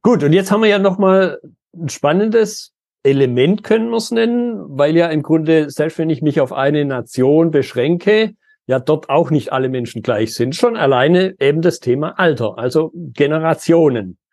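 A man hosting a podcast, who reads a measured intro and then asks questions in conversation. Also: a little high, animated, a little mellow, no echo, clean studio sound. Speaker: podcast host.

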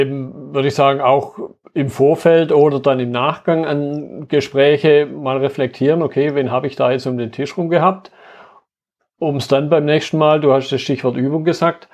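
A man's voice: medium pitch, steady tone, normal speed, a little mellow. A man hosting a podcast interview, asking reflective questions and summarizing his guest's points. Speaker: podcast host.

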